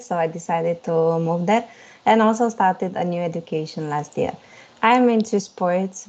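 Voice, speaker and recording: Mellow-voiced young woman from Romania. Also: lowish voice. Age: 20s. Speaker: student presenter. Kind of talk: self-introduction. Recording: dull lo-fi sound.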